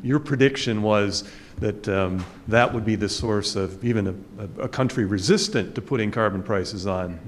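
A man with a low, loud voice asks a quick follow-up from the audience, apologizing for how loud he is. Faint room noise and clicks come through behind him. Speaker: audience questioner.

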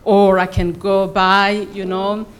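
A woman's voice: mid-range voice, level tone, slow, clean tone. A woman from Burundi with a Burundian accent, making earnest, explanatory spontaneous remarks as an audience member at a public forum. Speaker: audience member asking a question.

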